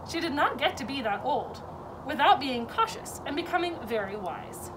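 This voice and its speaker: A woman's voice: sits high, animated, normal speed. A woman reading a children's storybook aloud as an educator at story time. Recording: distant mic with clear background noise.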